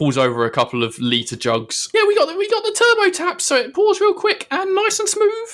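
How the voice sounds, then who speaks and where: A put-on character voice with an extremely high pitch. It moves at a fairly quick pace with hardly any pauses. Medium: actual play. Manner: chatty, rambling, stammering.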